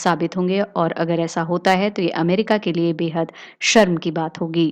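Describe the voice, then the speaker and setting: A woman in a normal speaking voice, fairly low in pitch with fairly even intonation, against a quiet background. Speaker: news presenter. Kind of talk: news bulletin read.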